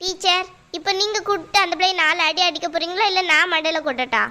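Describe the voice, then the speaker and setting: Woman voicing a loud, demanding cartoon mother; squeaky high, bright tone. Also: fast talker. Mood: angry. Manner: shrill, bossy, demanding. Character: loud scolding mother, quarrelsome and pushy. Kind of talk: cartoon voice acting.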